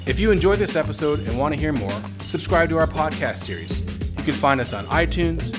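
A man's voice: a little high, expressive, a little fast. Upbeat male podcast host, faint music. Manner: upbeat, brief reactions, scripted outro. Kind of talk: podcast interview hosting.

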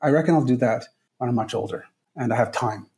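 A man from Trinidad speaks as a podcast guest, earnest and emphatic, often repeating his key points. His voice is mellow and warm, with a relaxed tone. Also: mid-range voice, quick pace. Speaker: guest, travel company founder. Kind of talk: podcast interview answers.

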